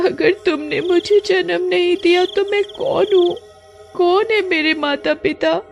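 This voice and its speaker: A woman's voice: very high voice, fairly even intonation, a little slow, vocal fry, lo-fi sound, faint music behind, pitched above the performer's own voice, full character voice. A woman voicing an earnest young girl raised by a witch in a cartoon story, with a pleading, distressed delivery. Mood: emotional.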